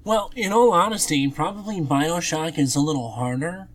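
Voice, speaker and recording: A man with a voice pitched a little higher than average co-hosts a podcast. He speaks in casual, conversational chat, airing his opinions freely. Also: moderate pace. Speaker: podcast co-host.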